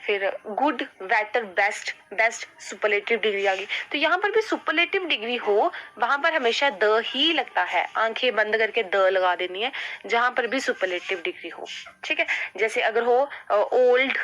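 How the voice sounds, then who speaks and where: A woman's voice: a little high, lively intonation, moderate pace, sharp tone, poor audio. A woman teaching an English grammar lesson in Hindi. She keeps asking questions and answering them herself, and says "ठीक है" often. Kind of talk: classroom-style grammar lesson.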